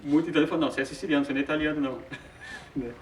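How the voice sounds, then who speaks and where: A man teaches a casual Bible study and speaks a little high. He stalls on repeated filler sounds and chuckles as he talks. He is heard from a distance in a roomy, echoing space. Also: steady tone, very fast, slight background noise.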